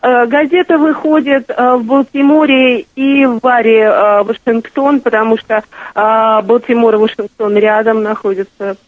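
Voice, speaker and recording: A woman's voice: a little high, steady tone, normal speed, dry recording. A woman journalist calling in to a radio interview, answering hesitantly with many fillers. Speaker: journalist and guest. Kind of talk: phone-in interview. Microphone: telephone. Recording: tinny phone line.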